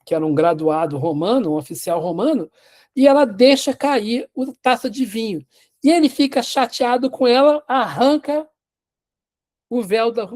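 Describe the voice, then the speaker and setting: Male teacher, casual storyteller, restarts a lot, mellow dark voice. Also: sits high. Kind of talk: storytelling in a class.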